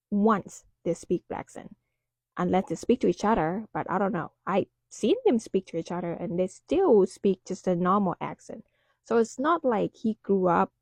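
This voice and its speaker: A woman's voice: medium pitch, a little mellow, husky, dry recording. A woman from Thailand speaking English with a Thai accent, talking casually to camera with many fillers and loose phrasing. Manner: talks loosely, with many "um"s and "you know"s.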